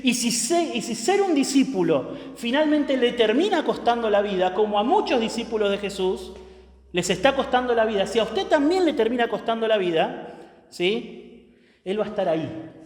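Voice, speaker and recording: A man preaching a sermon as pastor, emphatic, swinging between loud declarations and hushed lines, often checking in with the congregation. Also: very high voice. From Argentina. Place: church sanctuary. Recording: echoey church hall with long reverb.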